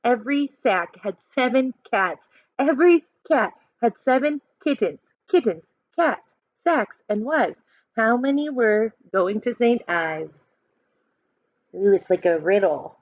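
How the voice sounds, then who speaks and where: Animated, higher-voiced woman reading to children. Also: takes it slowly, dry recording, lo-fi sound. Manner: expressive, questioning, coaching listeners along. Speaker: teacher reading a picture book aloud to children. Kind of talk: animated children's read-aloud with counting questions.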